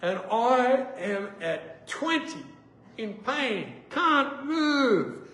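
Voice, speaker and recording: A man giving a sermon testimony, an animated storyteller who acts out the voices in his stories. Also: very high-pitched, extremely slow. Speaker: preacher. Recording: echoey room with faint noise.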